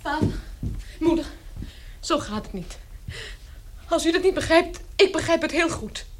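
An actress playing a desperate young sister in a radio play, earnest and distressed. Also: female voice, high voice, animated, unhurried, slight background noise. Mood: grave, resolute. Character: desperate, hardened young sister pleading with her parents.

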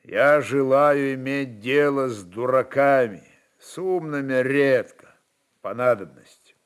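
A man voicing a sly, secretive Cossack ataman in his sixties, who talks quietly in a deliberately drawling, folksy way. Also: medium pitch, clean tone, natural voice. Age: 60s.

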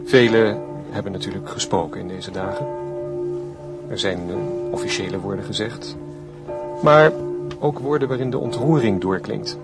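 Male 1950s reporter played by an actor, radio drama, low pitch, solemn halting live commentary over prominent music. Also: close to an everyday voice. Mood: solemn, reporting. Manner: hesitant, descriptive, reverent.

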